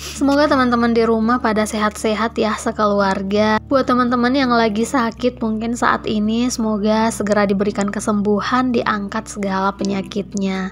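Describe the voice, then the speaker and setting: A woman's fairly high voice at a moderate pace, with fairly even intonation, very even loudness and hardly any pauses, over music in the background. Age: 30s. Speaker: vlogger and homemaker. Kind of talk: vlog voice-over. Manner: friendly, chatty.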